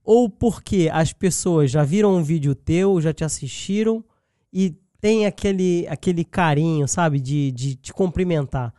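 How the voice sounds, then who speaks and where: A man with a Brazilian Portuguese accent co-hosting a casual chat show, animated and joking, breaking into loud shouted greetings. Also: a little high, measured pace, no echo, clean studio sound. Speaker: podcast co-host.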